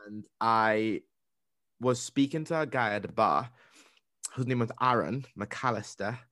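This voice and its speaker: A man in his thirties from Trinidad with a Trinidadian accent, telling stories in a casual podcast chat, talking fast and restarting his sentences often. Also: mid-range voice, bright, forceful tone, dry recording. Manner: fast, rambling, with many restarts.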